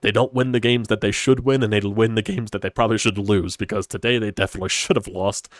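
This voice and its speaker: Brief: stuffy-nosed young male stream host, low voice, dry close sound, rambling and opinionated. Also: steady tone, fast talker, dry recording. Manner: rambling, opinionated, swears casually. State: congested, stuffy nose. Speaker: sports podcast host. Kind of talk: casual solo sports talk stream. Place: hot stuffy room at home.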